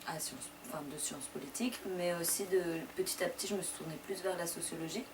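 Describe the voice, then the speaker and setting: A young woman, born in France to a Persian-speaking family, answers interview questions in a relaxed, conversational way, often pausing as she speaks. Her voice sits a little low. The mic is some way off, and a clear hum of background noise runs under everything. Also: distant mic. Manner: conversational, loosely paced with frequent pauses. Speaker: deputy mayor interviewee. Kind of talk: interview answers, personal story.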